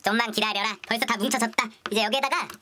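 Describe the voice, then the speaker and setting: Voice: medium pitch, fairly even intonation, quick pace, noisy background, close to an everyday voice. A performer playing a cocky, scheming young boot-camp recruit in a comedy skit, by turns boastful and stiffly polite. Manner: stammering politeness to superiors, boastful with friend. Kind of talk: comedic skit role-play.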